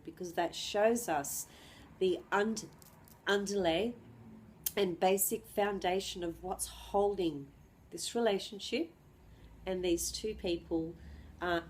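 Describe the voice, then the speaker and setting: A woman astrologer with the flu giving an unscripted lesson, clearing her throat and pausing often with ums and restarts. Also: lowish voice, darkish tone, a little hiss or hum, low-quality recording. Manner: hesitant, many ums and restarts.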